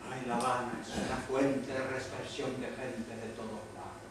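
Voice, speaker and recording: A man's voice: mid-range voice, steady tone, normal speed, very noisy, close to an everyday voice. An actor on a stage playing a sea promenade come to life as a proud, cheerful man with a put-on Cuban accent, talking in sweeping lists. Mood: reflective. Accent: Cuban Spanish, put on. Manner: boastful, expansive, sweeping. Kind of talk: amateur stage play. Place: theatre stage. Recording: echoey hall from far off, live stage.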